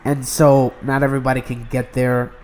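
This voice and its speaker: A man's voice: mid-range voice, flat delivery, darkish tone. A young man from New York City co-hosting a casual gaming podcast, chatting with lots of filler words and restarts. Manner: fast, loose talk with filler and restarts. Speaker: podcast co-host. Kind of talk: casual chat.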